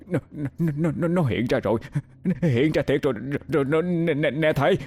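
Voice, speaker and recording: A man's voice: a little high, moderate pace, darkish tone, breathy edge, pitched above the performer's own voice. A man voicing a terrified young country lad who stammers and panics.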